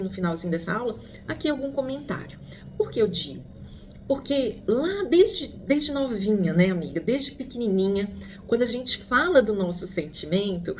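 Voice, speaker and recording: A woman psychologist with a Brazilian Portuguese accent speaks in a medium-pitched voice, teaching her lesson in a chatty way. She addresses the listener as a friend and keeps asking questions. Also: a little hiss or hum. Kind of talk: online lesson.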